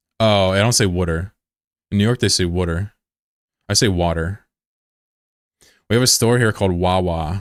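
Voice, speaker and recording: A man with an American accent, very deep and low-pitched, at a moderate pace with long, frequent pauses, fairly even intonation and very even loudness, in a very clean recording with a silent background and a dry, close sound with no echo. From US Mid-Atlantic. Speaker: gaming streamer. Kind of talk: casual livestream chat while gaming.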